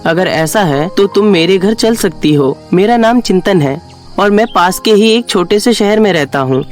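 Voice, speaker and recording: A man's voice: high voice, animated, normal speed, soft background music. A man playing a courteous, inviting young stranger in a cartoon story.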